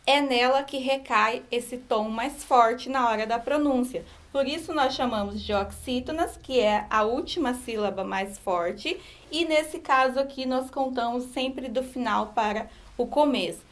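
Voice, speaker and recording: A woman teacher with a slightly high voice walks students through a recorded grammar lesson. She explains each point patiently, pausing to check that they are following.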